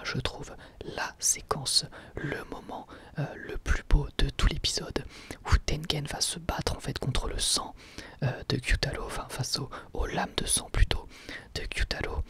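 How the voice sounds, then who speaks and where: A man's voice: medium pitch, steady tone, unhurried, bright, forceful tone, breathy edge. A man whispering an informal, hesitant ASMR-style review. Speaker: ASMR YouTuber reviewing anime.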